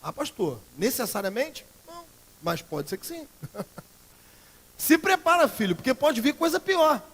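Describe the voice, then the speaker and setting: Brazilian pastor, high voice, preaching hard then going quiet, long church reverb. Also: male voice, big pitch swings, measured pace, creaky. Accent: Brazilian Portuguese. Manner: emphatic preaching, swinging between loud outbursts and quiet earnest passages. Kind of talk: sermon. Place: church sanctuary.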